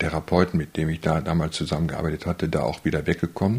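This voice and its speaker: A man's very deep, low voice, with fairly even intonation, comes through on a very clean recording over a silent background. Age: 60s. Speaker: interviewee sharing personal experience. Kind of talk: personal testimony interview. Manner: halting, hesitant.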